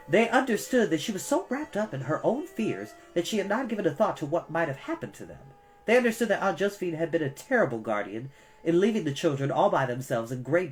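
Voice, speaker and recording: A woman with an American accent narrating a children's book as a storytime host, dramatic and given to wry asides. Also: deep voice. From Cleveland, United States. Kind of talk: expressive children's audiobook narration.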